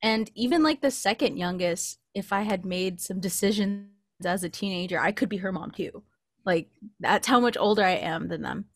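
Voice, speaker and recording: A woman's voice: mid-range voice, normal speed. American girl late 20s, casual podcast chat, close mic, no room echo. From California, United States. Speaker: podcast co-host. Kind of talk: casual chat, personal anecdotes. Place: small indoor home recording setup. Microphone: close studio mic with pop filter.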